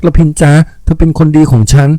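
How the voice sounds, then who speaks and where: A man reading aloud, voicing a shy young woman in love, with a soft, raised, trembling voice. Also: a little high, lively intonation, fast talker, dry recording, pitched above the performer's own voice. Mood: tender.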